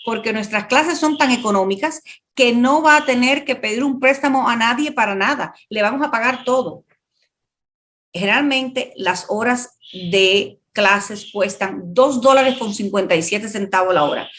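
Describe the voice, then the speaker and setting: A woman's voice: on the high side, normal speed, fairly bright tone. Cuban-accented woman hosting radio. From Cuba. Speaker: radio show host. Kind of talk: conversational radio talk and interview.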